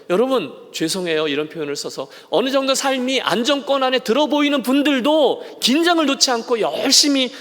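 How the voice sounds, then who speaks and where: A man preaching a Sunday sermon as a senior pastor, his voice pitched high for a man. He slips into short acted voices of the people in the story. The long reverb of a church sanctuary trails after each phrase. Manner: animated, acts out voices of townspeople and Naomi.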